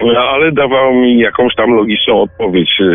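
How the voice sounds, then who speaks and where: With music in the background, a man speaks at a moderate pace and a medium pitch. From Częstochowa, Poland. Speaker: caller sharing paranormal experiences. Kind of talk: testimony.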